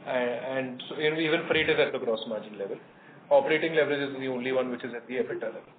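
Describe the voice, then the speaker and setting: A man with an Indian accent answering analysts on an earnings call as a company executive, in a measured, hesitant manner. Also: mid-range voice. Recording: noisy narrowband phone conference line.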